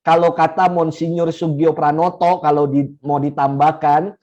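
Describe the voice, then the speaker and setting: A man from Indonesia with a slightly high, mellow voice gives a teaching talk as a Catholic priest. He speaks very slowly and repeats key phrases for emphasis. The recording sounds a little dull and lo-fi. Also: flat delivery.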